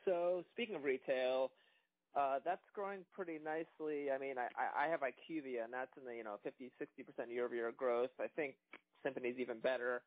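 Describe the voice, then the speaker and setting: A man's voice: medium pitch, steady tone, fast, no echo. A man on a phone conference call asking an analyst's questions in a hesitant, meandering way. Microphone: telephone conference call. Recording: tinny phone line.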